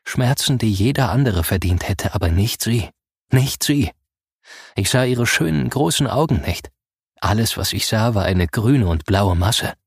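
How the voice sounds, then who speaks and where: A man narrating a first-person audiobook in a soft, grave storytelling manner. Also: fairly low pitch, animated, measured pace, husky, dry recording, clean studio sound.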